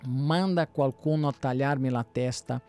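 A man, a pastor, reading the Bible aloud in a plain steady way, now and then stumbling and restarting a word. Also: mid-range voice, normal speed, soft background music.

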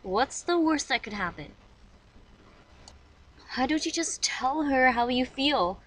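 A woman playing a soft-hearted, subdued young girl with a hushed, tender delivery for an audition. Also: high-pitched, animated, slow pace, recorded from a distance, exaggerated voice, rough recording. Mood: encouraging.

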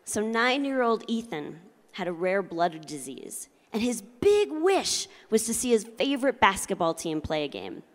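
A woman's voice: medium pitch, very animated, measured pace, hardly any pauses. A middle-aged woman giving a motivational keynote with comic storytelling, speaking with theatrical emphasis and working the audience through a handheld microphone. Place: large convention hall, indoors. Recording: live hall PA with long reverb.

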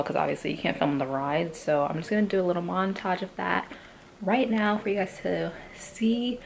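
A young woman with a raspy morning voice, chatting casually to her camera from a hotel room. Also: fairly low pitch, a little hiss or hum, low-quality recording. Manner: chatty, filler-heavy, rambling. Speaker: vlogger. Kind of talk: casual vlog chat.

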